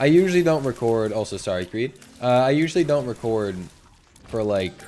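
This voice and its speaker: Music plays in the background behind a man. He speaks at a fairly quick pace with lively intonation. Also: medium pitch for a man. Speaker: gaming YouTuber. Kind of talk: gameplay commentary. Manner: animated; fast.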